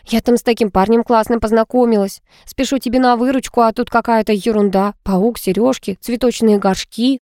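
Woman voicing a chatty, teasing college girl for an audiobook; high and lively, dry close sound. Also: fairly quick, hardly any pauses, no room sound, natural voice. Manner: teasing, excitable. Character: giddy chatty female student friend.

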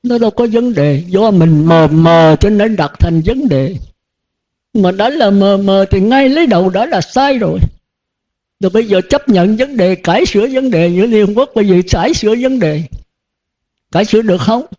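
A man's voice: sits high, expressive, normal speed, dark tone. An older man, a Buddhist monk, giving a dharma talk to his disciples in a folksy way, full of rhetorical questions. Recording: dull lo-fi recording.

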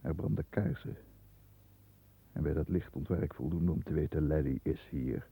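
A man acting a stern, proud middle-aged lawyer in a 1960s radio play, speaking with formal, measured diction. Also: very deep voice, vocal fry, warm tone, breathy edge, exaggerated voice. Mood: brooding, uneasy. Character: stern, proud male lawyer protecting the family name. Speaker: actor in a radio drama. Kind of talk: 1960s Dutch radio play acting, first-person narration and dialogue. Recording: muffled, thin 1960s radio recording.

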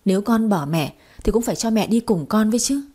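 A woman reads a devoted young mother in a sad audio story, pleading through tears. Her voice is warm and breathy, her talk imploring. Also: mid-range voice, expressive, a little fast. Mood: desperate. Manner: pleading and tearful. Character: desperate, devoted young mother of a sick boy.

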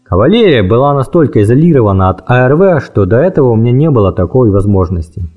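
A man reading a first-person war memoir as an audiobook, in a lively storytelling manner, raising his pitch for the dialogue. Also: fast talker, phone-quality sound, faint music behind. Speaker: audiobook narrator.

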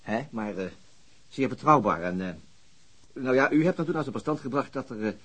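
Quick-talking, husky police detective. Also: male voice, medium pitch, lively intonation, a bit bright. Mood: tactful, hesitant. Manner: hesitant, probing questioning. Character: persistent, polite police detective on a murder case. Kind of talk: Dutch radio drama dialogue.

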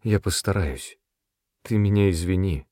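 A man's voice: a little slow, mellow, no echo, clean studio sound. A man reading a storybook voicing a lonely, tearful young girl who pleads and sobs. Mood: subdued. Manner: pleading, high and shrill when upset. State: sobbing. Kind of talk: audiobook character voice.

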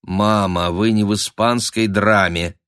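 A man's voice: on the low side, measured pace, smooth, no echo, clean studio sound. A man playing a weary sardonic young noblewoman. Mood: weary dry. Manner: flat, irritated, sardonic. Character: weary, dry-witted young noblewoman daughter.

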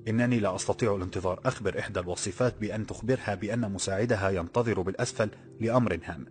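A man's voice: fairly low pitch, rapid-fire, a little mellow, soft background music, natural voice. A man voicing a bold, bluffing young man. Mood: commanding. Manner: commanding, self-assured.

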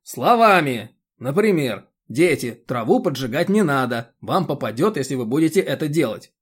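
A man's voice: mid-range voice, big pitch swings, moderate pace, breathy edge. A man reading an audiobook, voicing an angry, exasperated disabled man who snaps indignantly. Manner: indignant, snapping.

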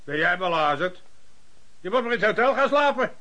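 Sharp, coarse lodging-house bully. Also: male voice, high voice, very animated, brisk, heavily acted. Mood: mocking, belligerent. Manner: mocking, threatening. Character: coarse, belligerent boozing lodging-house keeper. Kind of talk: radio drama acting.

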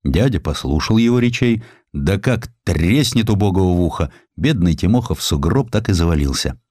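A man narrates literary historical tales in a low voice. His delivery is theatrical and folksy, savoring phrases with sweeping intonation. The recording is close and dry. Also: animated, normal speed, darkish tone, no room sound. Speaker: audiobook narrator. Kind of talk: expressive literary storytelling of historical sketches.

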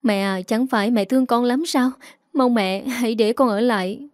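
A woman's voice: fairly high pitch, moderate pace, dry recording, studio quality, lightly acted. A woman voicing a young wife who is crying and begging, in an audio story. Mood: desperate. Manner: sobbing, begging. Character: young woman, tearful and pleading.

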